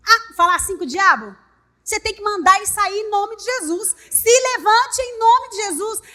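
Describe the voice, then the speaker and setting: A woman's voice: very high-pitched, pushed and bright. A woman pastor with a Brazilian Portuguese accent preaching a sermon, emphatic and repetitive, speaking straight to her congregation. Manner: emphatic, repeats phrases, addresses congregation directly.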